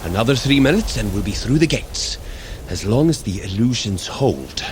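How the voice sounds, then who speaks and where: An actor playing a noble, earnest warrior god in an audio drama, speaking in a measured, formal way. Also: male voice, fairly low pitch, animated, background noise, close to an everyday voice. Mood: gently reproving. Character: Thor, noble male warrior god, earnest, steady, trusting.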